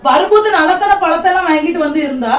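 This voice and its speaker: A woman's voice: extremely high pitch, fast. A woman playing a tired, teasing husband with a Tirunelveli Tamil accent, pleading again and again with his wife in an amateur family skit. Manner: pleading, repeats his question over and over. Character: weary teasing husband, middle-aged man. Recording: echoey room, mic far off.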